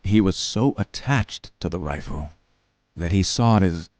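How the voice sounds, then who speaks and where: A man plays a weary veteran of war in an audio drama. His voice sits very low and moves slowly. He is guarded and understated, often halting mid-thought. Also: animated, a little mellow, no room sound, lo-fi sound. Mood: grim, haunted.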